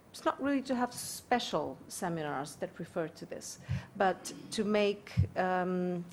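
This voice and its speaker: A woman from Portugal, answering at a conference panel in a deliberate way, searching for words and correcting herself. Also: on the low side, a little mellow, a little hiss or hum. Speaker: conference panelist, university leader.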